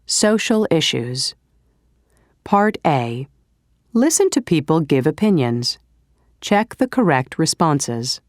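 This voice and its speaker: A woman's voice: sits low, sing-song, dry recording, studio quality. A woman narrating a textbook audio and reading out page and exercise titles. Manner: measured, announcing.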